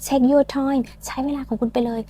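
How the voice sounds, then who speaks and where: A woman from Thailand, speaking, teaches English phrases in a playful, teasing way and drills slow, drawn-out pronunciation. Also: high voice, little pitch movement, mellow, a little hiss or hum. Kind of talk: lesson with repeat-after-me drills.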